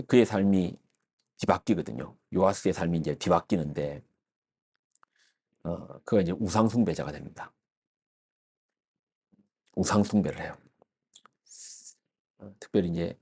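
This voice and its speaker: A man delivering an early-morning church sermon in a low, mellow voice. He explains the passage step by step, often pausing on fillers and restarting words mid-phrase. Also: husky. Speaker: pastor.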